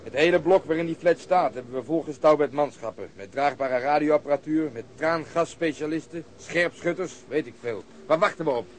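An actor playing an impatient, gruff, cynical police officer in a radio drama. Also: male voice, a little high, fairly quick, few pauses, close to an everyday voice. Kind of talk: Dutch radio drama acting.

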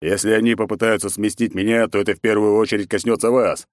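A man's voice: fairly low pitch, fairly even intonation, quick pace, dry recording, studio quality, close to an everyday voice. A man voicing a stern old emperor. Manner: stern, commanding. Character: stern aging emperor and father, weary and commanding.

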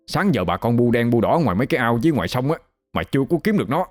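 A man voicing a young village lad in a storybook, talking fast and excited. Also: on the low side, faint music behind, natural voice. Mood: rushed excited. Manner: rushed, excited chatter. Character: young village boy running errands, breathless.

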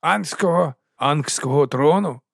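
A man voicing a shifty street vendor who talks in a loud, wheedling sales patter. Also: a little high, measured pace, vocal fry, dry recording, studio quality, pitched above the performer's own voice. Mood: hawking. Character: shifty pushy male street sausage vendor.

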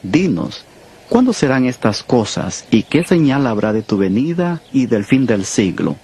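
A man plays an earnest male disciple in an audio Bible drama. His voice is husky and moves in lively swoops as he questions his master. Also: medium pitch, unhurried, heavily acted. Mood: earnest questioning.

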